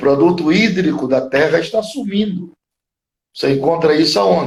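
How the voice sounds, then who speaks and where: Vocal fry colors a voice with lively intonation at a moderate pace, heard with audible room echo. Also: man. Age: 70s. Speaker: pastor. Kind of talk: preaching in a live interview. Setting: online live stream.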